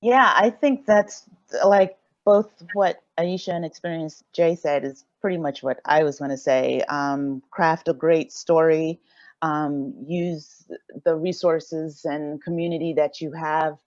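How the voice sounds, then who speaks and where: A woman's voice: deep voice, fairly even intonation, a little slow, dry recording, dull audio. A middle-aged woman speaking as a creator on a casual panel, rambling and thinking aloud hesitantly. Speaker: audio drama creator on a panel.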